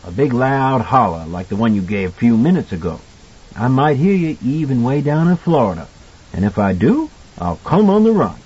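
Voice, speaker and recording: Audiobook role: kindly older male cook, played by a man. Husky, very animated, folksy, earnest and protective. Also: medium pitch, moderate pace, dull audio, pitched above the performer's own voice. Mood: warm, protective. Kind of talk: audiobook character dialogue.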